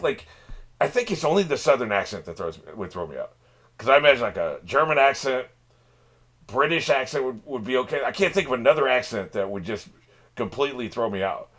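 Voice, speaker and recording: A man's voice: medium pitch, fairly bright tone. A man hosting a reaction channel, talking off the cuff in a rambling, profane way with many restarts. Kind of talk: casual unscripted monologue.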